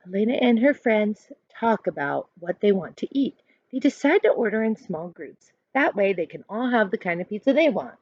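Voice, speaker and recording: A woman in her thirties reading a children's book aloud like a teacher, expressive and instructive, pausing to explain. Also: medium pitch, no echo. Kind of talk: read-aloud storytelling with explanations. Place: small furnished room indoors at home. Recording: dull lo-fi webcam sound.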